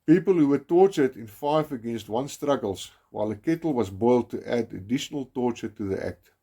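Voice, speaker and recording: Grave and measured, a documentary narrator from South Africa, Afrikaans being his first language, stresses key words emphatically and sometimes restarts. His voice is medium-pitched with lively intonation, yet dark, mellow and a bit husky.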